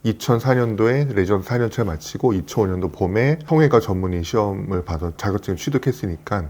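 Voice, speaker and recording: A man's voice: on the low side, lively intonation, fast talker, a little mellow. A man in his fifties, a plastic surgeon, telling stories in an earnest, reflective way. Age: 50s. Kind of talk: casual conversational talk.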